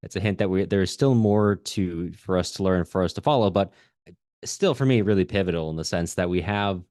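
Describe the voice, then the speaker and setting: A man hosting a podcast, talking through a book in a conversational, halting way as he thinks aloud. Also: low-pitched, a little mellow, dry recording, studio quality. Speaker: podcast host. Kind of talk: conversational literary discussion.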